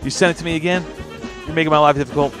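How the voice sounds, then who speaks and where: A man's voice: on the high side, steady tone, rapid-fire, music in the background. A man hosting a casual podcast chat, teasing his co-hosts and laughing often. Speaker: podcast host.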